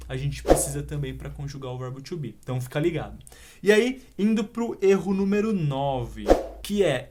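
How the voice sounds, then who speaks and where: A young Brazilian man with a Brazilian Portuguese accent, giving an online English lesson and slowing down for the English examples. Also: a little high. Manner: animated explaining, slows down for English examples. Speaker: English teacher.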